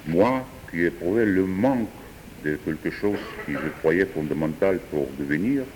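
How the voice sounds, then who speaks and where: A man, a French speaker, improvising a philosophical talk with hesitant pauses and fillers. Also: sits low, a little mellow, slight background noise. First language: Georgian. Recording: distant voice in a reverberant hall.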